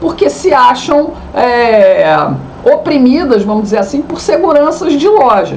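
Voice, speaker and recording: Speech comes at a fairly slow pace amid noticeable background noise and audible room echo. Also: woman. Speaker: journalist and commentator. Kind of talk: opinion commentary.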